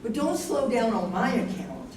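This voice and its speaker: A woman's voice: fairly high pitch, sing-song, normal speed, darkish tone. A woman playing an aging, wistful wife who is losing her memory, in a staged reading. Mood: resigned, plain. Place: live staged reading in an echoey room. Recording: roomy, distant stage recording with noise.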